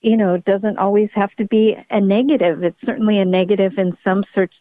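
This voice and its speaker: A woman's voice: medium pitch, level tone, brisk, no echo. Woman doctor guest, earnest and upbeat, heard over a dry, tinny phone-like line. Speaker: pediatric neurologist guest. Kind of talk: podcast interview.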